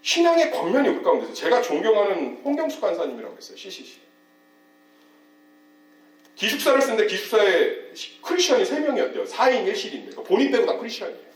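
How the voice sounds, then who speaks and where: A man delivers a sermon with a high, very lively voice that rises and drops as he acts out quoted people. He is heard from a distance in a roomy church hall. A low mains hum runs underneath. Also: fast. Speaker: pastor. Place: church sanctuary.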